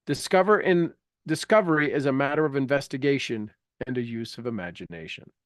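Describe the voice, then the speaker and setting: A man with a mid-range voice talks fairly quickly in a dry recording. He leads a coaching class in an informal, blunt, prodding way, using folksy turns of phrase and mixing in passages read aloud from a book.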